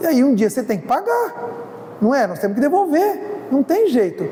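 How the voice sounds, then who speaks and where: At a moderate pace and with very wide pitch swings, a man talks over noticeable background noise. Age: 60s. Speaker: spiritist lecturer. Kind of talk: lecture.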